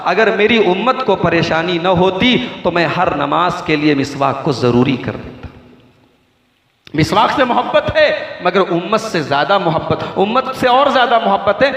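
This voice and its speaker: High-voiced male preacher in an echoing hall. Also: expressive, normal speed. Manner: impassioned, swings from soft to shouting. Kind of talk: sermon. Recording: echoey hall, long reverb.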